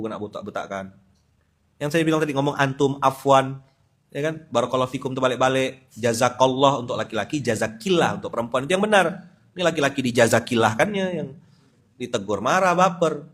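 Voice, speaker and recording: A man in his forties, a preacher from West Kalimantan with a Sambas Malay-tinged accent, giving a casual live sermon that swings from loud indignant bursts to low asides. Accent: Sambas Malay-tinged Indonesian. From West Kalimantan, Indonesia. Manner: animated, bursts into loud indignant outbursts then drops low.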